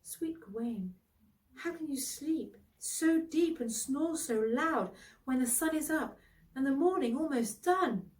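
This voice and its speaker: A woman storyteller plays a tender lady of a castle from a knightly storybook. She is soft and coaxing, with a playful tease. The voice sits a little away from the microphone. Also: high voice, animated, takes it slowly, distant mic, pitched above the performer's own voice, poor audio. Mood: playful chiding.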